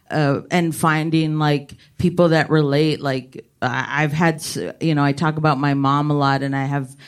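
Female comic, South Texas accent, smooth resonant tone, easy chatty panel delivery. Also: deep voice. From Laredo, Texas. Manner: chatty, laughing between thoughts. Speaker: stand-up comedian on a panel. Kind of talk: casual panel conversation.

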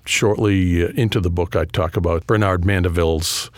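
A middle-aged man with a New England accent, a history professor answering interview questions in a thoughtful, measured way with frequent fillers and restarts. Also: sits low, steady tone, dry recording, studio quality. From New England, just outside Boston. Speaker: history professor and author, guest.

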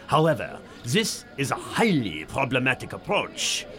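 A man playing an absurdly pedantic existentialist, excitable and argumentative in sketch comedy. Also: medium pitch, measured pace. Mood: indignant pedantry.

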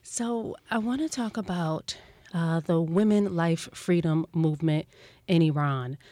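A woman hosts an interview show and asks measured questions that draw out her guest. Her voice is on the lower side. The sound is dry and close, with no room echo. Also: warm tone. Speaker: podcast host. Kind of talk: interview hosting.

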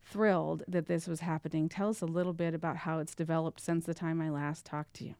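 Host read: woman, lowish smooth voice, dry studio sound, encouraging. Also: flat delivery, fairly quick, darkish tone, dry recording. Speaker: radio host. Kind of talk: radio interview.

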